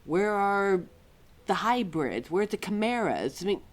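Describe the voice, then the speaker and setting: Woman voicing a centuries-old female lore keeper, scatterbrained, hesitant, lively intonation, leisurely pace, fantasy audio roleplay. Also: medium pitch, a little slow. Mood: bewildered. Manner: flustered, hesitant, exclaiming, talking to a listener. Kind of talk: ASMR-style roleplay audio drama.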